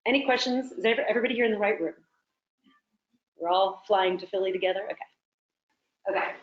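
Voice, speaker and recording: A woman's voice: mid-range voice, a little fast, echoey room, highs cut off. A woman from New York teaching a live real estate workshop, chatty and quizzing her audience. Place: training room with a small audience.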